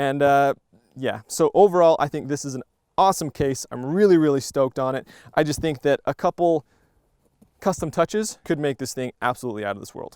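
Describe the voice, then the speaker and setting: A man's normal speaking voice, fairly high in pitch and fairly quick, with ordinary pitch variation and big swings in loudness, in a very clean recording with a silent background and a dry, close sound with no echo. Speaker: firearms reviewer. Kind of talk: product review. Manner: casual, filler-heavy.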